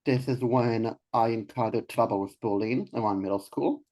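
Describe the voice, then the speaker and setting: Interview guest: young man from Israel, mid-pitched, hesitant and halting, full of pauses. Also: mellow. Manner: hesitant, many ums and restarts. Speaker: guest, life coach. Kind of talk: casual interview talk.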